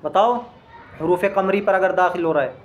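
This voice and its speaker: Male Arabic teacher with a high voice, patient drill-style delivery, faint noise behind. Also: moderate pace, highs cut off. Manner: explains step by step, quizzes the listener with questions. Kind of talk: classroom grammar lesson.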